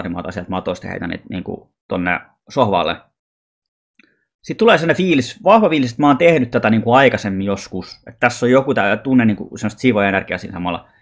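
A man telling a personal story in a loose, rambling vlog monologue, informal and often swearing. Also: lowish voice. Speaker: vlogger.

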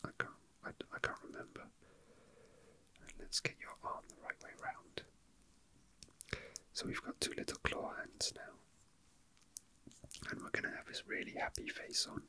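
A young man whispering softly and breathily in an unhurried, halting ASMR murmur, as if casually commenting while his hands are busy. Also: low-quality recording. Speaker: ASMR video host. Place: indoors at a tabletop.

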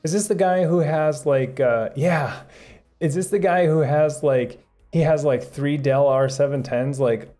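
A man's voice: fairly high pitch, unhurried, mellow. A man hosting a live stream, chatting casually with viewers in a rambling way with many fillers and restarts. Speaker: livestream host. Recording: faint background music.

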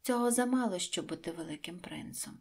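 A woman voicing a small, lonely boy prince in an audiobook, with a high, earnest, wondering voice. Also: expressive, a little fast, husky. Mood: sad wondering. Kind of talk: audiobook reading.

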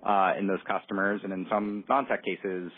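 Man, company executive, deep voice, hesitant, hedged answers, narrowband phone audio. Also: level tone, normal speed, husky. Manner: hesitant, hedging. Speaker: company executive on an earnings call. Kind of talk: answering analyst questions. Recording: muffled narrowband phone line.

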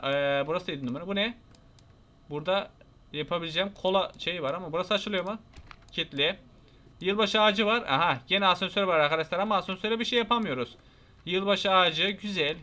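A young man with a Turkish accent giving casual let's-play commentary, chatty and talking to his viewers, with excitable yelps when startled. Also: high-pitched, quick pace. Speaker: gaming YouTuber.

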